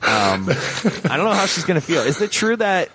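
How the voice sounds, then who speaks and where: A man from Canada, talking as a podcast guest in an animated, rambling, self-deprecating way. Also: on the high side, moderate pace, noisy background. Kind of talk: casual conversation.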